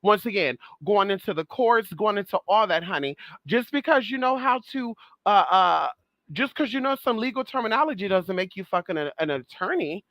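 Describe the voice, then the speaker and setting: A woman's voice: mid-range voice, expressive, normal speed, a bit bright, dry recording. A trans woman vlogging in a sassy, profane monologue, calling listeners girl, honey and baby and repeating phrases for emphasis. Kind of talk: casual monologue rant.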